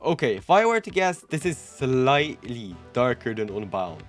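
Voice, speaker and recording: A man's voice: medium pitch, sing-song, unhurried. A young adult man giving casual gameplay commentary to camera as the host of a gaming video. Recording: music behind the voice.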